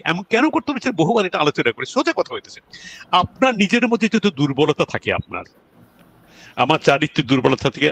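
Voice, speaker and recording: A man, a guest commentator on a talk show, speaking earnestly and emphatically with frequent halting restarts. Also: a little high. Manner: earnest, emphatic, drifts between calm and raised passages; halting, with restarts and drawn-out fillers.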